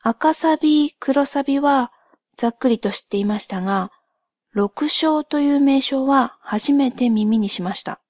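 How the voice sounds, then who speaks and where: Softly spoken woman, dry close sound, unhurried. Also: sits high, no echo. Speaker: host of a solo spoken channel.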